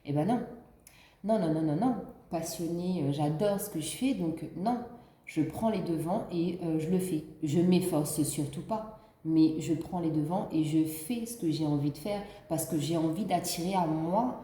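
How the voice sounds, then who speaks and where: A woman's voice: deep voice, normal speed, dark tone, reverberant. A woman with the flu giving a casual spiritual card reading, rambling with many fillers and restarts. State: has the flu. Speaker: card reader.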